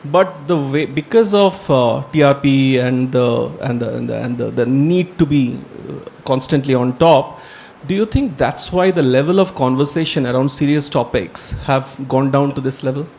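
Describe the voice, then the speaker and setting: A man's voice: medium pitch, normal speed, creaky, darkish tone. A man moderates a panel on a festival stage. He asks long, thoughtful questions that wind toward their point. A faint background noise sits under his voice.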